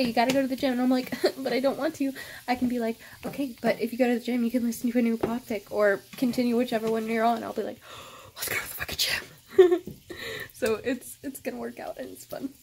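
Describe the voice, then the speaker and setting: A woman's voice: fairly high pitch, heavy background noise. A young woman vlogging in casual chat, gushing and swearing freely, with lots of fillers.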